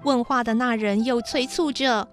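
A woman storyteller narrating a children's story in a gentle, expressive reading. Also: a little high, moderate pace, faint music behind.

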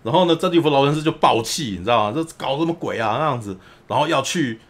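Fast-talking man recapping a film. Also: medium pitch. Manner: animated storyteller, often acts out quotes. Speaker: podcast host. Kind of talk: casual film recap chat.

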